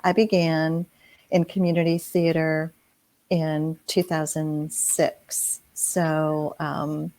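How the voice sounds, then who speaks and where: Female theater actor from New England, middle-aged. Deep register, emphatic and conversational. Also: little pitch movement, slow, darkish tone. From New England, United States. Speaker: community theater actor, interview guest. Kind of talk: casual interview chat.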